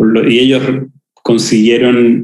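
This is a man speaking. He has a Chilean accent. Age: 50s. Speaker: physicist and writer. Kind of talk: interview.

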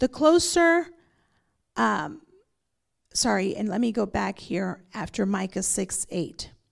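A woman's animated, lively voice with vocal fry, in a very clean recording with a silent background. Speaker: pastor leading Bible study. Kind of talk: Bible study teaching. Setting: church. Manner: loud.

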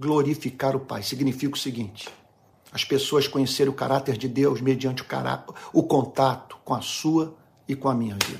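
A man with a medium pitch talks in a monotone, flat intonation, his voice somewhat breathy. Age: 50s. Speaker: pastor and teacher. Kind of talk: livestream talk with Q&A. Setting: home study, livestream.

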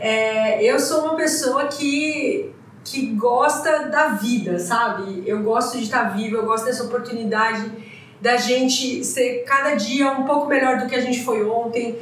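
A high-pitched woman at a fairly slow pace, ordinary pitch variation, noticeable background noise and audible room echo. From Brazil, Paraná. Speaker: economist and innovation speaker. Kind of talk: podcast interview.

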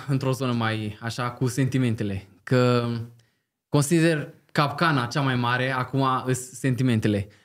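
At a fairly slow pace, a man with a plain, everyday voice speaks at medium pitch with ordinary pitch variation. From Romania, Oradea area (Crișana). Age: 20s. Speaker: content creator. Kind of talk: casual podcast conversation.

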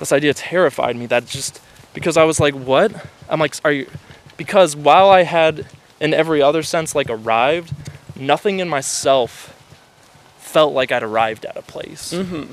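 With an American accent, a man at a fairly high pitch speaks at a moderate pace with ordinary pitch variation, long, frequent pauses and noticeable background noise. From rural Illinois, US Midwest. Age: 20s. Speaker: podcast guest, former game design student. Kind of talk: casual chat. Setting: outdoors on a river trail. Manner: talkative.

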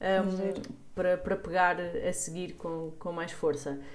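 A woman speaks with a European Portuguese accent. Her intonation stays fairly even. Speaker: podcast co-host. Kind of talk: casual chat.

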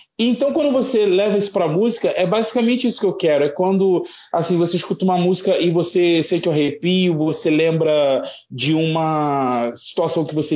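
This man's voice sits high. His delivery rises and falls in a lively way. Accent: Rio de Janeiro. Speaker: electronic music producer. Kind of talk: casual interview chat.

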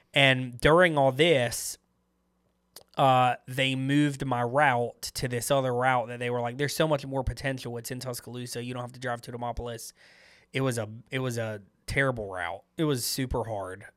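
A man with a plain, everyday voice, medium pitch, fairly even intonation, big swings in loudness and a moderate pace, on a very clean recording with a silent background. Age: 30s. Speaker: video production company owner, former truck driver. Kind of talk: casual chat.

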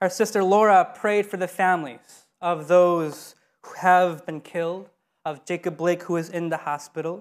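Recorded very cleanly against a silent background, a woman speaks at a fairly slow pace in a medium pitch. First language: not Korean. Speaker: pastor. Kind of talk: sermon. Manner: halting, with fillers.

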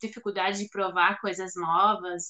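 A woman speaks with a German accent in a bright, sharp tone. Her intonation is fairly even and her pace moderate. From Germany. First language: German (speaking Portuguese). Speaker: missionary and English teacher. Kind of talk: interview.

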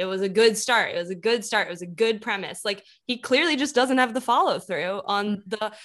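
The speaker sounds animated and moves at a fairly quick pace with ordinary pitch variation. There is noticeable noise in the background. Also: woman. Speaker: podcast host and comedian. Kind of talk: casual comedic chat. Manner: animated, jokey.

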